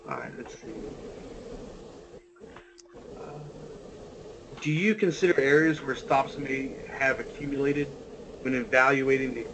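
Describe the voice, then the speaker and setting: A man's voice: medium pitch, steady tone, normal speed. A man moderating a webinar, plainly reading out audience questions and passing along comments. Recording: noisy webinar audio.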